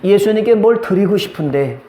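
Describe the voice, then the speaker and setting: A middle-aged man preaches a sermon in a high, bright-toned voice, asking questions and slipping into the voices of the people he quotes. The sound rings around a reverberant church sanctuary. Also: animated, moderate pace. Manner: call-and-response preaching, acting out quoted voices. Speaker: pastor. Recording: echoey church hall.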